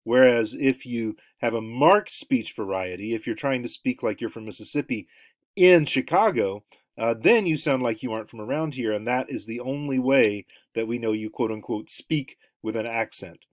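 A man's voice: medium pitch, moderate pace, no echo. Middle-aged guy teaching anthropology online, lots of ums, dry close sound at a home computer. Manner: rambling, many ums and uhs. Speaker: anthropology lecturer. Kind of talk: recorded online lecture over slides. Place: home room, indoors.

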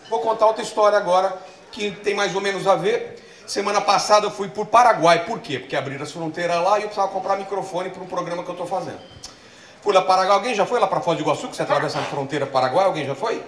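A middle-aged man from Brazil doing a stand-up set, telling stories and acting out the voices. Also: high voice. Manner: animated storytelling with acted-out voices. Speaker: stand-up comedian. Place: comedy festival stage. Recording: roomy live stage sound.

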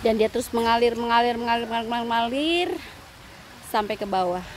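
Excited high-voiced woman vlogging outdoors. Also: a little fast. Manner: excited, exclaiming, addresses viewers as guys. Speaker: travel vlogger. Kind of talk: casual travel vlog. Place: outdoors at hot spring terraces. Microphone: phone camera held at arm's length. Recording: outdoor phone audio with loud background noise.

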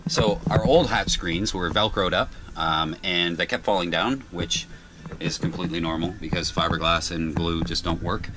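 A man's voice: deep voice, normal speed. A man in his thirties hosting a sailing vlog, explaining boat projects casually with lots of ums, filmed on a handheld camera at a marina. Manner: relaxed, joking, many ums and uhs. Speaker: vlog host, liveaboard sailor. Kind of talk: casual how-to vlog narration. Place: sailboat at a marina, cabin and deck. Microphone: handheld action camera close to the face. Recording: loud wind and handling noise.

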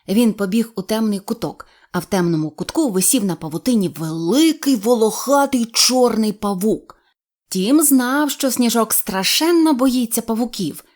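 A woman storyteller narrating a children's audio fairy tale in an expressive, animated reading. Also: a little high. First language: Ukrainian.

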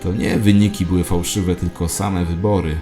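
A man's voice: low voice, little pitch movement, moderate pace, over music, lightly acted. A man voicing a knowing hologram phone clerk who reveals a cosmic conspiracy in a cryptic, authoritative audio drama monologue. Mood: ominous, knowing.

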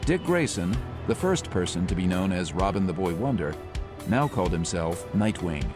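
A man narrating a motion comic in a measured, descriptive manner. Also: deep voice, big pitch swings. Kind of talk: scripted narration. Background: music.

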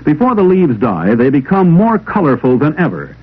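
A man reading scripted instructional narration for a 1950s classroom film in a measured, didactic way. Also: fairly high pitch, wildly swooping pitch, slight background noise. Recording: old 16mm film soundtrack, narrow telephone-like band.

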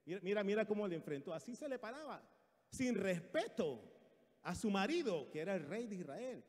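A man's voice: high voice, a little fast. A man preaching a sermon in a dramatic way, acting out quotes and calling for amens. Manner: animated, dramatic, acts out quotes, calls for amens. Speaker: pastor. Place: large church sanctuary. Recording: church hall reverb.

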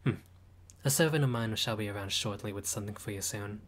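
A man talks at a quick pace in a low voice that sounds close to everyday speech. In this roleplay audio he plays an easygoing, friendly male vampire host whose humor is dry, teasing and wry, with occasional grand theatrics.

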